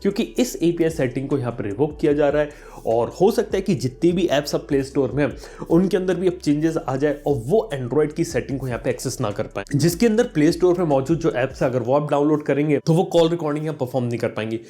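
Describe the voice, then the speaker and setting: A man's voice: fairly high pitch, lively intonation, fast talker, warm tone. A man explaining things conversationally as a tech vlogger, addressing viewers directly and mixing in English terms. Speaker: tech YouTuber, host. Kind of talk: explainer vlog, conversational commentary.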